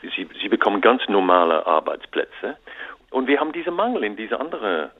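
A man calls in as an author, speaking German as a with as his first. He stumbles and restarts often and drops fillers into his sentences. His low, lively voice comes through a tinny phone line. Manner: halting non-native German with repeated restarts and English fillers. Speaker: author and interview guest. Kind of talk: radio interview.

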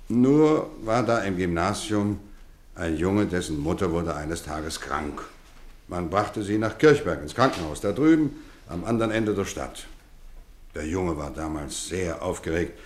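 Deep-voiced, animated kindly housemaster. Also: male voice, roomy sound. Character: kindly, playfully stern boarding school housemaster, grown man. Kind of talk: German radio play acting.

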